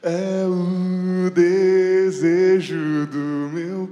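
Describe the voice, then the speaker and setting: A man with a São Paulo accent singing a slow worship song, played as a recording. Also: high-pitched, flat delivery, warm tone, reverberant, in a large hall, dull audio, soft background music. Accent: São Paulo Portuguese. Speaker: worship singer.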